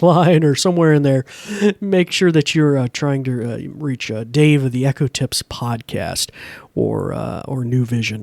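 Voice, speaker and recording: A man's voice: fairly high pitch, a little mellow, no room sound. A man hosting a podcast, giving a casual, chatty, informal tutorial into a close mic. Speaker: podcast host. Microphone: close podcast mic through a mixer.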